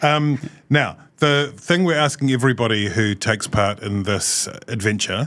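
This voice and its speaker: A man with a New Zealand accent speaks at a medium pitch and a fairly slow pace. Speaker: politics podcast host. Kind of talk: casual interview. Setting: studio.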